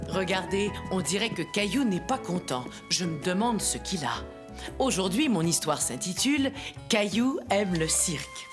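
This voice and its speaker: A woman's voice: on the low side, animated, normal speed, music in the background, natural voice. A woman voicing a kindly storyteller, narrating a scripted children's cartoon story.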